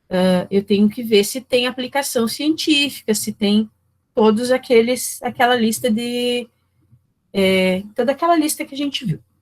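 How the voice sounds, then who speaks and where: Her voice high with ordinary pitch variation, a woman speaks at a fairly slow pace. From interior of Paraná, Brazil. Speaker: teacher. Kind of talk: lecture.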